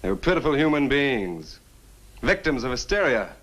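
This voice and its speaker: An actor playing a skeptical, argumentative scientist in a 1960 horror film, with a brisk, emphatic manner. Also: male voice, medium pitch, big pitch swings, a bit bright. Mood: scornful, argumentative.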